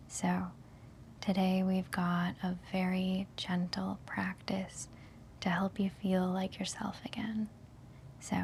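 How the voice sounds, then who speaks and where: Woman, meditation guide. Hushed whisper, very even delivery, unhurried and soothing, faint ambient noise behind. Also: medium pitch. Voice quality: soft, breathy whisper. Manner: gentle, unhurried, soothing instruction with long pauses.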